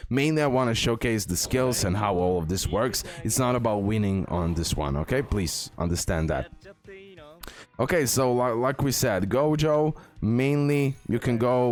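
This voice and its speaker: A man giving casual, emphatic game guide commentary, often repeating himself as he addresses his viewers. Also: lowish voice. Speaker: gaming content creator, host.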